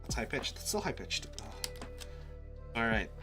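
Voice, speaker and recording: Streamer thinking out loud, mutters and restarts a lot, pitch jumps all over, faint music going in the back. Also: big pitch swings, a little slow. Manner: mutters to self, restarts, exclaims. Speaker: live streamer testing keyboards. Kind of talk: casual thinking-aloud commentary.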